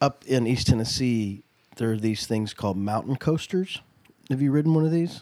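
At a moderate pace, a man with an ordinary speaking voice talks in a medium pitch with lively intonation. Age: 50s. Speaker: podcast host. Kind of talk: casual chat. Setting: studio.

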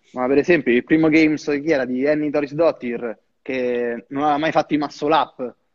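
Here a man has an unremarkable speaking voice with a fairly high pitch. His intonation is fairly even and his pace moderate. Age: 20s. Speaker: CrossFit coach and gym owner. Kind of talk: casual chat. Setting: at his gym under construction.

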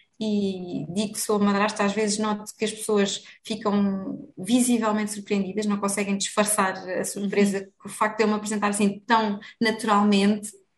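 A somewhat breathy woman talks in a monotone, flat intonation, with hardly any pauses. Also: medium pitch for a woman, moderate pace. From Portugal, Coimbra. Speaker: stepmother sharing her experience. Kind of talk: interview conversation.

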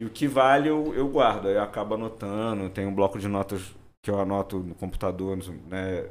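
Here is a man with a normal speaking voice. He talks at a moderate pace with fairly low pitch and ordinary pitch variation. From Volta Redonda, Rio de Janeiro state, Brazil. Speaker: rap producer / DJ. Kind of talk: casual interview.

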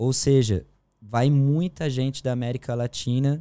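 At medium pitch, a man speaks at a moderate pace with fairly even intonation. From interior of São Paulo state, Brazil (Tatuí). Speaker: painter. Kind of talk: casual interview.

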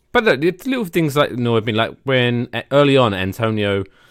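A man with an English accent talks with ordinary pitch variation on a very clean recording against a silent background. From England, now living in America. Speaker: podcast co-host.

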